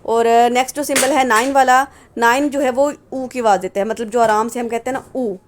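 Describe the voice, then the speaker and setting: A woman's voice: on the high side, steady tone, brisk. A woman teaching English phonetics, patiently repeating example words and asking and answering her own questions. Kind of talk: phonetics lesson explaining symbols.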